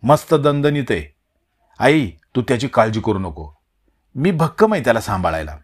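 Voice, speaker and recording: A man's voice: medium pitch, big pitch swings, normal speed, slightly rough. A male narrator voicing a grown son home from the city, blunt and defiant with his mother. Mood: reassuring. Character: grown son back from the city, restless and resentful.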